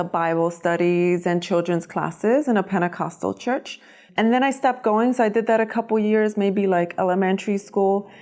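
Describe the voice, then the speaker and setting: A woman speaks with a Spanish accent at a moderate pace, medium pitch and ordinary pitch variation. The recording is very clean, with a silent background. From US Northeast, Philadelphia, Puerto Rican family. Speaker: interviewee sharing life story. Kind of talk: personal testimony interview.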